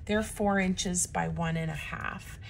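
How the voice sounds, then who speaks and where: Gravelly-voiced woman crafting chattily. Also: on the low side, steady tone, slow, a little hiss or hum. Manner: chatty and self-deprecating, talks while working. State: slightly raspy from a starting cold. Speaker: paper craft tutorial host. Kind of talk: casual craft tutorial narration. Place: crafting desk indoors, filmed from above.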